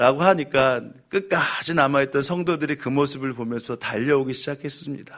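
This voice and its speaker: Ordinary pitch variation and a moderate pace come through on a very clean recording with a silent background. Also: man. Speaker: pastor. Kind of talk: sermon.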